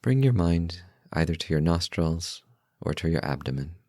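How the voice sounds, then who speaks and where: Very deep-voiced man guiding meditation. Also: dry recording, studio quality. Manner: calm, unhurried, gentle, with long pauses. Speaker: meditation guide, podcast host. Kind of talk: guided meditation narration.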